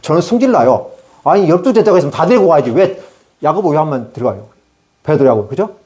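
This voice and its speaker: At a prayer retreat, a middle-aged man preaches with animated storytelling, regularly turning to the congregation with questions. He speaks quickly in a somewhat high voice.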